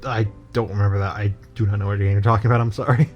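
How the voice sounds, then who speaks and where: A man's voice: on the low side, flat delivery, rapid-fire, dull audio, faint music behind. A young man co-hosting a casual chat, stammering and repeating words as he rambles through an absurd improvised story. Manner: stammering, repeats words, goofy nonsense humor. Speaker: co-host.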